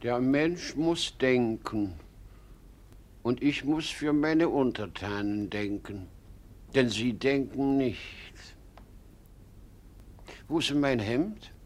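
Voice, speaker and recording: An actor playing a pompous, muddled older king in a German radio play, fussy and halting. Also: mid-range voice, a little mellow, lightly acted. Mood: self-important pondering.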